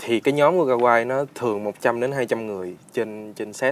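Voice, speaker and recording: At a moderate pace, a man uses a plain, everyday voice with ordinary pitch variation and a dry, close sound with no echo. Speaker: music video director. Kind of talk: interview answers, casual talk. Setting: livestream.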